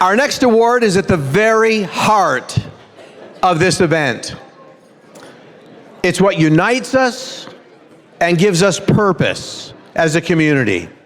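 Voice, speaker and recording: A man speaks at a high pitch and a fairly slow pace, with long, frequent pauses. His loudness stays very even, and the recording carries audible room echo and noticeable background noise. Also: lively intonation. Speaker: TV host and emcee. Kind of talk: emcee announcements. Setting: gala stage with audience.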